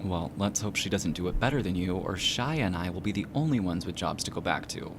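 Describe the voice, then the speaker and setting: An actor playing a sleepy, wry but caring friend in naturalistic audio drama dialogue, a little hesitant and dryly teasing. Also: male voice, deep voice, animated, fairly quick. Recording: noisy airplane cabin ambience.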